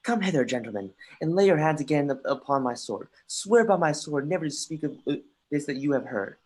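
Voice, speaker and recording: Man playing Hamlet, a husky, impassioned young prince. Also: on the high side, expressive, a little mellow. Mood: urgent. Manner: impassioned, halting reading with stumbles. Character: young grieving prince, intense, wry, erratic. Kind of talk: Shakespearean verse in a livestreamed dramatic reading. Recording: remote livestream audio.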